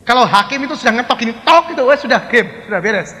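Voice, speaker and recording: Man preaching, bright sharp tone, animated storytelling. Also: very high-pitched, fast talker. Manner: animated, acts out dialogue, addresses listeners as Saudara. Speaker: pastor. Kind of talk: sermon storytelling. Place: large worship hall. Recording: hall reverb.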